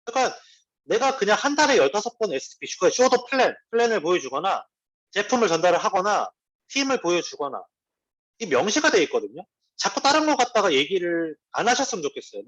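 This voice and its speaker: A man's voice: high voice, very animated, fast, a bit bright, dull audio. A man leading a team meeting, giving a conversational motivational business talk with personal asides. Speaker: network marketing team leader.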